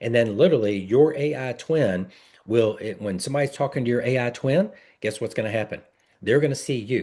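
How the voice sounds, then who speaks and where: Against a quiet background, a man speaks with lively intonation. His tone is dark and mellow. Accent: Kentucky. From Kentucky, US. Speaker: business presenter. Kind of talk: sales pitch. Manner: animated.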